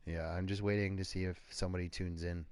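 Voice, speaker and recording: A man streaming a football video game, chatting casually in a low-key, mumbling way that trails off. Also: flat delivery, fast talker, a little mellow, smooth. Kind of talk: casual chat while gaming.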